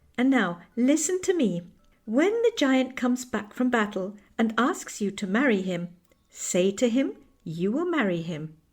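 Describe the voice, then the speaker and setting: A put-on character voice, female-sounding, at a fairly high pitch for a woman and a moderate pace. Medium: read story. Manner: knowing, mysterious.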